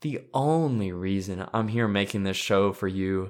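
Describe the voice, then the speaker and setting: On a very clean recording with a silent background, a man with a fairly low pitch speaks at a fairly slow pace. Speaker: podcast host and self-help author. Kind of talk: casual unscripted monologue. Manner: conversational, flowing off the cuff.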